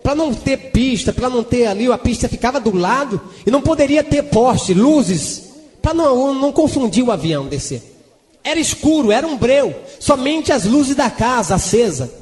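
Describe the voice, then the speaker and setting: A man's voice: very high-pitched, animated, normal speed, darkish tone, long reverb tail. A man preaching a testimony with impassioned storytelling, breaking into speaking in tongues. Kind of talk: sermon testimony.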